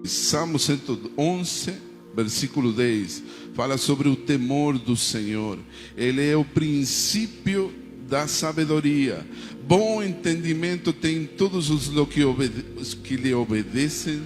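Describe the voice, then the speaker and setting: A man's voice: fairly high pitch, animated, takes it slowly, in a large hall. Argentine man preaching over music. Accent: Argentine Spanish. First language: Spanish. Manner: preaching with call-and-response prayers and frequent "amém". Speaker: pastor. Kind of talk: sermon.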